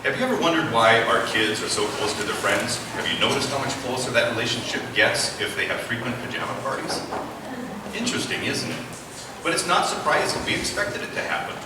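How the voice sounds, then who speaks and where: A man's voice: medium pitch, big pitch swings, fairly quick. A man giving a public talk and reading from his own book to a live audience, addressing listeners directly as an author and host. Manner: rhetorical questions to listeners. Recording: very echoey, noisy room from far off.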